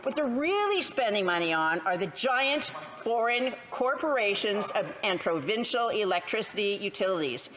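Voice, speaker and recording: Canadian woman politician delivering a lively, sarcastic speech. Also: medium pitch, moderate pace, few pauses. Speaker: opposition politician. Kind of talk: prepared parliamentary speech. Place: legislative chamber.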